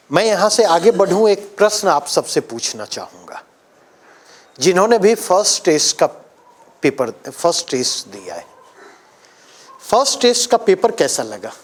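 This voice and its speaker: Male coaching teacher, high lively voice, emphatic lecture to a class. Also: measured pace, long pauses. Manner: emphatic, asks the class questions.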